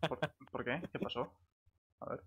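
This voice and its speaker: A game streamer with an accent from Spain, chatting casually on a live stream. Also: unhurried. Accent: Spanish, from Spain. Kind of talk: casual gaming stream chat.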